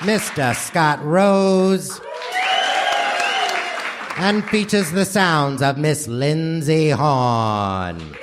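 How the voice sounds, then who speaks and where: A man's voice: a little high, expressive, drawn-out words, pauses often, a loud crowd. A man narrating in a grandiose, theatrical mock old-time radio announcer style on a live stage. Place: theater stage before audience. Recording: noisy live theater recording.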